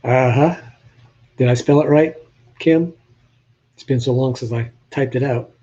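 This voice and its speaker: Showing old photos on a live stream, an older New Hampshire man jokes and chats with his viewers, his Southern-leaning accent carrying New England traces. He talks a little slowly in a mid-range voice that is dark and slightly husky, and the sound is dull and a bit lo-fi.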